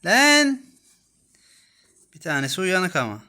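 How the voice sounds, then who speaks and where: A man's voice: fairly high pitch, normal speed, clear, resonant tone. A man filming his kittens at home, chatting casually to viewers and cooing affectionately at the animals with many repeated words. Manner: cooing and baby-talking to kittens. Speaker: pet vlogger.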